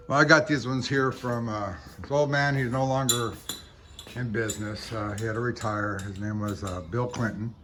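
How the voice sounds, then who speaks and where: A middle-aged man chatting casually as a homestead vlogger, a rambling, chuckling storyteller talking outdoors on a farmstead into a camera mic. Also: fairly low pitch. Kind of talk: casual chat. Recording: outdoor vehicle noise.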